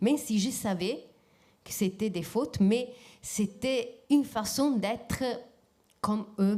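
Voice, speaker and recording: A woman speaks very slowly in a fairly high, somewhat breathy voice. Her tone is dark and mellow, with ordinary pitch variation. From Italy, born Calabria, raised Liguria. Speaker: novelist. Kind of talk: public interview at literary event. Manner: halting, many hesitations.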